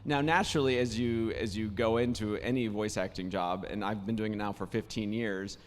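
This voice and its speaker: A man who is a voice actor, hoarse after days of talking, telling stories in casual panel conversation with plenty of restarts and fillers. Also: lowish voice, steady tone, normal speed, long reverb tail. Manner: warm storytelling, many restarts and fillers.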